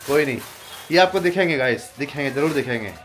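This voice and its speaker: A man's voice: medium pitch, quick pace, soft background music. A man co-hosting a casual vlog, chatting loosely with his viewers. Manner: relaxed, chatty, addresses viewers as guys. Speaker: vlogger. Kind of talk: casual vlog chat to camera.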